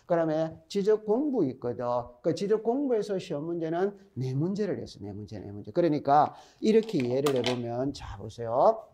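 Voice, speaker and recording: In a recorded classroom lecture for exam prep, a middle-aged Gyeongsang-accented man chats with his students, going over key points repeatedly and quizzing them. His voice sits on the high side with a dark tone, very animated at a moderate pace with few pauses.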